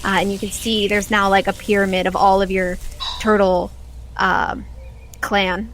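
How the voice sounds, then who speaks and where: A woman hosting as game master of a tabletop audio drama, narrating to listeners over a soft background bed. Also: medium pitch, little pitch movement, unhurried, a little hiss or hum. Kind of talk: narrating an actual-play game, then scripted credits.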